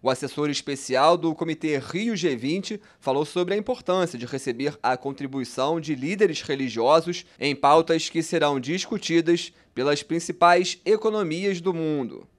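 A young man with a Brazilian Portuguese accent narrating a TV news report in a steady, clear reporter's delivery, holding a handheld mic at an indoor event. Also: a little high, moderate pace, hardly any pauses. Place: large indoor event hall.

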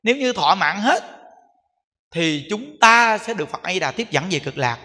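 A Buddhist monk giving an emphatic sermon, full of rhetorical questions and repetition. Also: male voice, sits high, sing-song, normal speed, bright, forceful tone, in a large hall.

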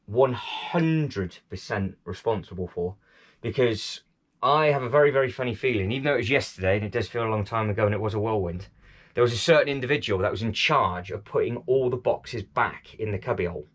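Chatty man, lowish voice. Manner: chatty, self-deprecating, lots of fillers and repeats. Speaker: vlogger. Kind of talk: casual vlog narration while painting and tidying. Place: indoor hobby room at home.

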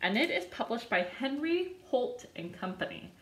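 A woman in her thirties, a children's librarian, singing a picture book for babies at home in a slow, bouncy sing-song with sound effects. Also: fairly high pitch, big pitch swings, roomy sound, a little hiss or hum. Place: living room with a couch and a decorated wall.

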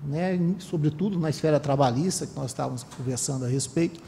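A man in his thirties from Brazil giving a formal seminar speech at a panel table, measured, with frequent restarts. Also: a little high, gravelly, dark tone. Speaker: panel speaker, council member. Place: conference room with panel table. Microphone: table microphone. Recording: long hall reverb, faint room noise.

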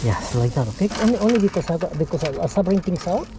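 A man chatting casually in a halting, repetitive way while tidying, often checking with a quick "okay?". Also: sits high, big pitch swings. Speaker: vlogger. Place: in and beside a parked car. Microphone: body-worn action camera. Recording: noisy car and parking-lot ambience.

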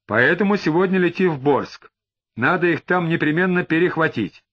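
A man's voice: fairly high pitch, expressive. Brief: decisive, frowning chief giving orders, read by a male narrator, lo-fi sound. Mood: stern. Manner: brisk, commanding.

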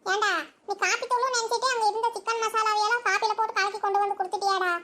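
A voice actor doing a sharp-tongued scolding cartoon mother. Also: extremely high pitch, flat delivery, rapid-fire, slight background noise. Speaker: cartoon character.

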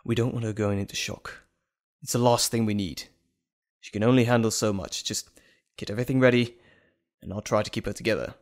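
A man's voice: lowish voice, fairly even intonation, brisk, close to an everyday voice. A man playing an anxious, caring doctor in an audio drama, earnest and soothing. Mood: flustered, insistent.

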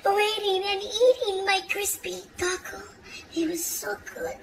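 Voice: very high-pitched, fairly even intonation, unhurried, gravelly, fairly bright tone, full character voice. A performer voicing a boastful, dramatic Latina woman who mixes Spanish words into English and keeps laughing. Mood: dramatic gossip. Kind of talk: comic character monologue.

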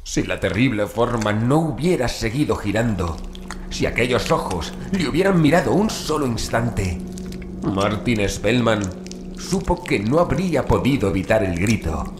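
A man narrating a horror audiobook in a measured, dramatic way with deliberate pauses. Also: mid-range voice, very animated. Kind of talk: scripted horror story narration. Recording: roomy echo, faint background noise.

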